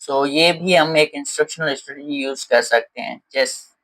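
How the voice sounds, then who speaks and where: A man with an Indian accent teaches a lesson, walking through each idea step by step. His voice is bright and forward and sits a little high, and he often pauses on fillers as he goes. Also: steady tone, low-quality recording. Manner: explains step by step, with many fillers and Hindi mixed with English terms. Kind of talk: explaining lesson to camera.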